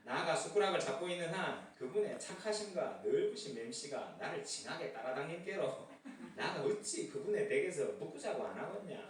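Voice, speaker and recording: A man's voice: on the high side, lively intonation, brisk, natural voice. Man doing a folksy jeolla accent, chuckly drawl, far off in a big echoey room. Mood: amused. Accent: Jeolla dialect. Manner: laughing, drawling. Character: folksy southwestern man boasting of his shepherd. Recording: echoey church hall from far off.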